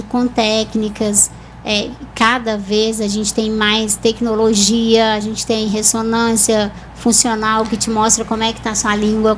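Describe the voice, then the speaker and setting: A woman with a Brazilian accent, a speech therapist calmly explaining voice and articulation in a TV interview. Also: on the high side, slight background noise, low-quality recording. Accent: Brazilian Portuguese. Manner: calm, didactic explanations with examples.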